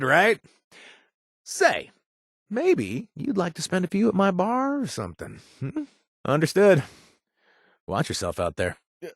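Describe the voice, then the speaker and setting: A laid-back joking bartender. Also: male voice, on the high side, no echo, clean studio sound, full character voice. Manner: laid-back, chatty, lots of uh and chuckles. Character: easygoing male bartender ally, joking and money-minded. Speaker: game companion character. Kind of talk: video game voice acting. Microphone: close studio mic, dry.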